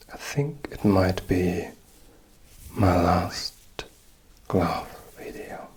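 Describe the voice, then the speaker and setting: A man whispers in a gentle tone. Noticeable background noise runs under him. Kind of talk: ASMR personal attention ramble. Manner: soft-spoken, gentle.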